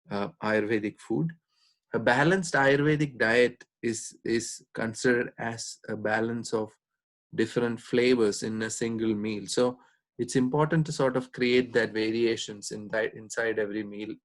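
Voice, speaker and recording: A man giving an informal explanatory talk as a doctor, speaking in a measured, hesitant way with frequent pauses. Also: fairly low pitch.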